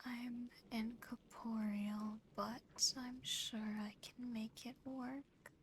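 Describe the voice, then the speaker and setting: A woman playing a seductive, possessive female sleep paralysis demon in a teasing, breathy ASMR whisper, close to the microphone. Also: fairly high pitch, background noise, exaggerated voice. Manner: slow, breathy whispering, teasing, lingering pauses.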